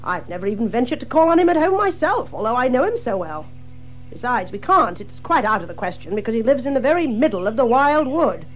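An actor playing an anxious, evasive Water Rat in a dramatised children's story, hesitant and hedging. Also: male voice, extremely high pitch, sing-song, fairly quick, highs cut off, faint music behind. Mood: flustered, dismissive.

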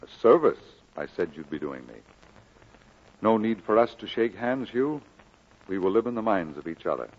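In mid-century radio drama style, an actor plays a minister, an impassioned, grieving preacher leaving his valley, solemn and declamatory yet firm and commanding. His low, slightly rough male voice is animated at normal speed, the mood tender and sorrowful. The recording sounds like a muffled old radio broadcast.

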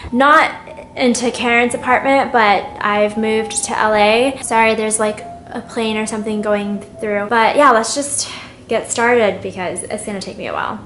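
A woman's voice: fairly high pitch, fairly even intonation, unhurried, a bit bright, roomy sound, slight background noise. A young woman chatting candidly while doing her makeup at home, rambling and open about her feelings. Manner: rambling and candid, getting emotional at times. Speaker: beauty vlogger. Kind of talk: chatty get-ready-with-me vlog.

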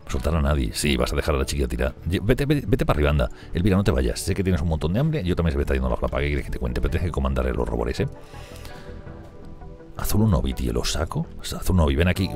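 Fast, excitable man, very deep. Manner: fast, excitable, swears and laughs often. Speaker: gameplay streamer. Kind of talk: live strategy game commentary.

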